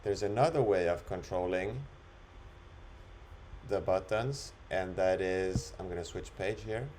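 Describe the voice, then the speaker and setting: A man talking through an unscripted screen-recorded software demo, explaining it step by step in an instructional way. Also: sits low, a little slow, a little hiss or hum. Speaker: software demonstrator.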